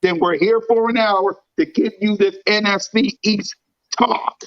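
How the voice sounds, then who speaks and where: Man, sports podcast host, hype fan energy, hoarse scratchy voice, high and slow. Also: dull audio, a crowd in the background. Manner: excited, hype fan talk. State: scratchy voice from screaming. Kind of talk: casual sports podcast chat.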